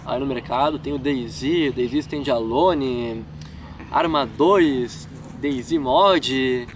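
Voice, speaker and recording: A man's voice: mid-range voice, extremely slow. A young man with a southern Brazilian gaúcho accent, chatting casually as he answers fan questions in a park vlog, full of filler tags and self-deprecating laughs. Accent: southern Brazilian gaúcho Portuguese. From Rio Grande do Sul, Brazil. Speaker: gaming YouTuber. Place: outdoors in a wooded park. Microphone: camera mic from a few feet away. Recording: distant camera mic with outdoor noise.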